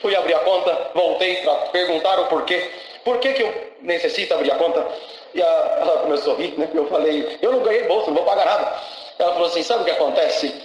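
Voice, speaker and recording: High-voiced young man in a fervent church testimony. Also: brisk. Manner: fervent, often breaks in with praise interjections. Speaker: church member giving testimony. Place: church service hall. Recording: echoey church hall recording.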